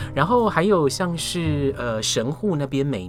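A man talks with very wide swings in pitch. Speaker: radio host. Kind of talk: casual chat. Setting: live-streamed podcast recording. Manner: clear articulation.

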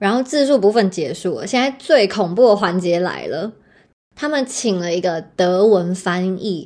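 Speaking in a Taiwanese accent, a woman talks at a fairly slow pace and a medium pitch. Her pitch varies in an ordinary way, and the recording is very clean with a silent background. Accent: Taiwanese Mandarin. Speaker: podcast host. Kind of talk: storytelling monologue.

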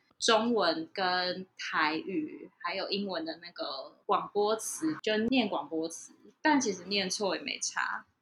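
A woman's medium-pitched voice in a Taiwanese accent, very slow yet with hardly any pauses, with very wide pitch swings and big swings in loudness. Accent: Taiwanese Mandarin. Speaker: flight attendant. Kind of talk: casual chat.

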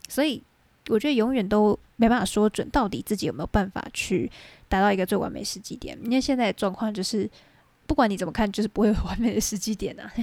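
Talking at a very fast pace in a Taiwanese accent, the speaker uses ordinary pitch variation. The sound is dry and close with no echo, and the recording is very clean with a silent background. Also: woman, fairly high pitch for a woman. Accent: Taiwanese Mandarin. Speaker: podcaster. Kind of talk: casual solo monologue.

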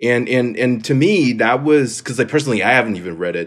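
A man at medium pitch talks at a fairly quick pace on a very clean recording with a silent background. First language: Chinese. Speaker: podcast host. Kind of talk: interview. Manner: halting.

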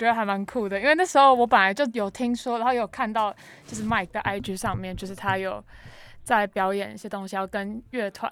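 A woman talks at a fairly quick pace in a plain, everyday voice of medium pitch. Her intonation is fairly even, in a very clean recording with a silent background. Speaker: singer and university music student. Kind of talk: casual chat.

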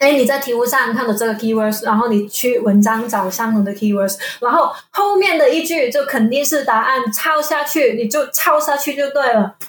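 A woman speaks with a Cantonese accent. Her pitch is high and her intonation lively. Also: moderate pace. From Hong Kong. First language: Cantonese (speaking Chinese). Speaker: podcast guest learning English. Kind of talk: casual chat.

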